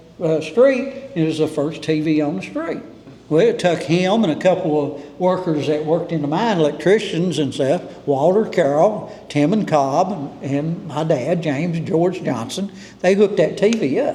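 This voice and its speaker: Against noticeable background noise and audible room echo, a man with an Appalachian accent speaks at a moderate pace in a high pitch with ordinary pitch variation. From Kentucky, Harlan County (Appalachia). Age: 70s. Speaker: local resident sharing town history. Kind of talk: casual interview. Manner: halting with fillers.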